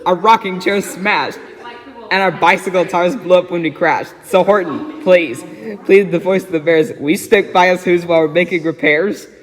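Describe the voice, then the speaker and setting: A man's voice: sits high, moderate pace. A man giving a dramatic reading of a rhyming children's storybook, stumbling a little over words. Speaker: storybook reader. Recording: echoey, very reverberant room.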